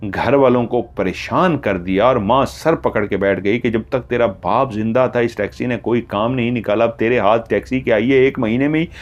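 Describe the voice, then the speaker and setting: A man's voice: medium pitch, normal speed, hardly any pauses, lo-fi sound. A man narrating a horror story in a dramatic storytelling manner.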